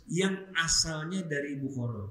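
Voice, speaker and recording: A man giving a casual, joking religious study talk and explaining things in an animated way. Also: a little high, unhurried. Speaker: Islamic teacher. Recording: roomy echo.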